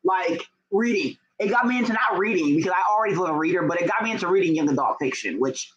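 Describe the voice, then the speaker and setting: A young man chatting casually on a livestream as a book vlogger, gushing and excitable, with slangy phrasing full of "like" and "y'all". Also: sits high, quick pace, dull audio, over a noisy crowd. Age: young adult.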